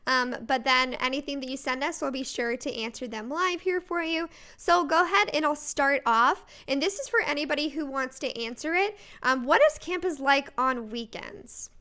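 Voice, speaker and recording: Young woman hosting a student panel, high bright voice, chatty. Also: moderate pace, few pauses. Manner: friendly, chatty, with fillers. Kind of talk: casual live stream hosting.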